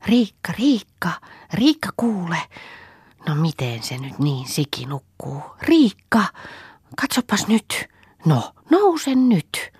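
A woman voicing a bold, scheming farm girl in a hushed, urgent whispered role-play. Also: medium pitch, big pitch swings, slightly rough, no echo, studio quality, pitched above the performer's own voice. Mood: conspiring.

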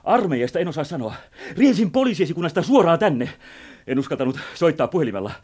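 A man's voice: on the high side, very animated, darkish tone, slightly rough. An actor playing an eager, agitated male messenger in a radio drama, talking urgently. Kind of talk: 1960s radio drama acting.

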